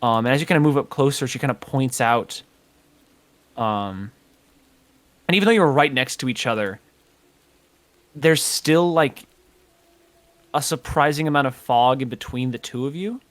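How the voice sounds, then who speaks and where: A man's voice: medium pitch, animated, normal speed, pauses often. A man narrating as game master of a tabletop game, hesitant and full of filler words. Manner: hesitant, full of ums and kinda.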